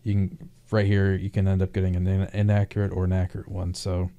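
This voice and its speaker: A male tutor talks through a worked problem in a low, mellow voice. His intonation stays very flat. He goes haltingly, thinking aloud in an informal, explanatory way. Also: dull audio. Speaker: math tutor.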